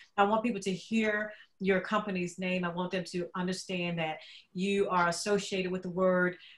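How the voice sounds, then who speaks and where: The pace of this woman's speech is moderate. Her intonation is monotone and flat. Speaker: podcast host. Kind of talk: casual interview. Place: home room.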